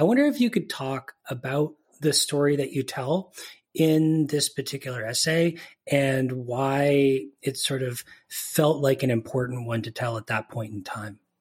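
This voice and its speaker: Somewhat breathy and at a fairly slow pace, a man with an American accent speaks in a fairly high pitch with ordinary pitch variation. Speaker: podcast host and law professor. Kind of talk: casual interview.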